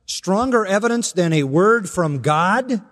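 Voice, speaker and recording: A male pastor preaching an expository sermon, emphatic and citing scripture references in quick lists. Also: sits high, expressive, fairly bright tone. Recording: long reverb in a church hall.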